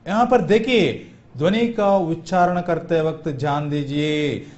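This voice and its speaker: A man teaching Hindi grammar in a classroom, sounding out vowels slowly and asking the class questions he then answers. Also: a little high, a little mellow. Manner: slow, repeats vowel sounds aloud for drill. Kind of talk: classroom lecture for exam prep. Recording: dull lo-fi classroom recording.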